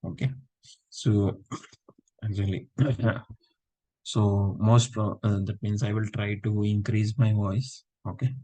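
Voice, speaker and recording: Guy teaching online class, low husky voice, kinda unwell, keeps asking understand?. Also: level tone, takes it slowly, long pauses, mellow, low-quality recording. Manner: repetitive, checks in with students often. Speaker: instructor.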